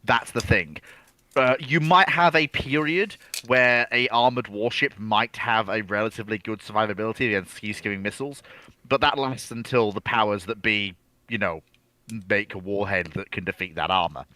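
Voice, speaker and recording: Bright, forceful man making emphatic points. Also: on the low side, normal speed, dry recording, low-quality recording. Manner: methodical, emphatic, restating points. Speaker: discussion panelist. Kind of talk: unscripted expert discussion.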